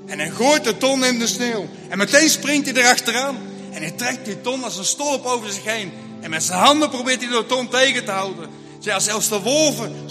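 A man telling a Christian story dramatically, often hushed and suspenseful, in a room with a long echo. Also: very high voice. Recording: long hall reverb.

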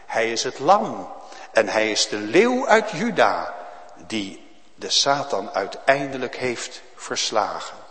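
A man preaches slowly in a church, his voice swinging widely in pitch. The sermon is solemn and rises to loud, emphatic calls. Long reverb trails after each phrase. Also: very animated. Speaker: pastor.

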